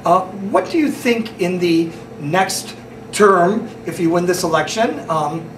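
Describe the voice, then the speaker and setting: A man's voice: sits high, lively intonation, slow, echoey room, far from the mic, noisy background. A man hosting a local talk show, interviewing a candidate and asking long questions with many restarts and repeated words.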